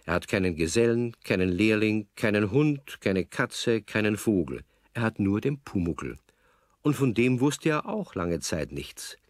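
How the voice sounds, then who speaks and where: A man's voice: lowish voice, dry recording, studio quality. A man narrating a children's audio play as a scripted story, speaking straight to young listeners. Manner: addresses young listeners with questions.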